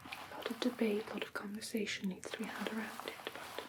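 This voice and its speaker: Whispering gentle vampire teacher, played by a woman. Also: mid-range voice, level tone, fairly quick, natural voice. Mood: gentle, instructive. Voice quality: breathy whisper. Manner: soft, soothing, patient, instructive with gentle check-ins. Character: gentle female vampire teacher of human pet care. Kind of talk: whispered ASMR roleplay.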